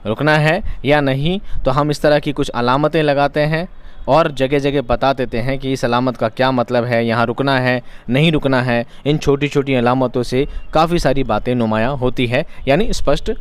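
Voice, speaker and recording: A man's voice: medium pitch, fairly even intonation, normal speed, clean tone. A man teaching an exam-prep lesson, explaining each point by repeating it in other words and asking rhetorical questions.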